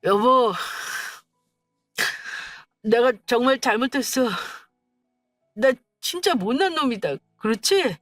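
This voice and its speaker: A woman's voice: fairly high pitch, expressive, takes it slowly, long pauses, no room sound, studio quality, soft background music, voice pushed up. A woman voicing a young husband in a storybook tale, who makes excuses and pleads. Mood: pleading. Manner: wheedling, making excuses.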